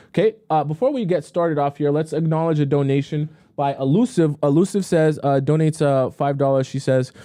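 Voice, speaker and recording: Male live-stream host, casual and chatty, mellow tone, dry close sound. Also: mid-range voice, dry recording. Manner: chatty, reads messages aloud with asides. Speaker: dating advice host. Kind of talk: live stream reading viewer questions.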